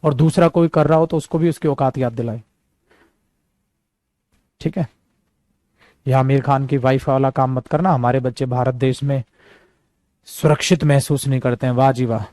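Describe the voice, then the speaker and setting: A man from India teaching a spoken English class, lively and emphatic, switching freely between Hindi and English and slowing right down to spell out his example sentences. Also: mid-range voice, no echo. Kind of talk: classroom lesson, explaining at a board.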